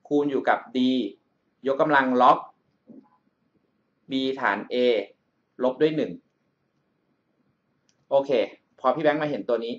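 This is a man's voice at medium pitch, fairly bright in tone but captured in dull audio, moving slowly with frequent pauses. He's a math tutor narrating a screencast of an exam problem, nicknaming himself like a big brother and regularly checking in with the listener.

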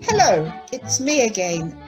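A woman's voice: a little high, very animated, unhurried, over music, poor audio. A woman playing a droll, tongue-in-cheek announcer in a comic pantomime. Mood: mock-helpful.

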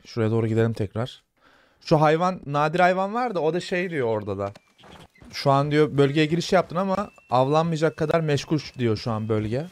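Casting: young male gamer, casual let's-play talk, chatty and easygoing, mid-pitched voice. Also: no echo. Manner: chatty, talks to viewers and soothes the horse. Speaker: gaming YouTuber.

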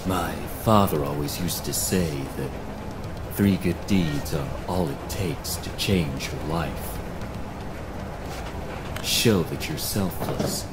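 Man as a deep, grave American avenger. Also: loud music behind the voice. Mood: brooding. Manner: brooding, deliberate. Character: grave, vengeful avenger narrating his creed. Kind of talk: dramatic game narration.

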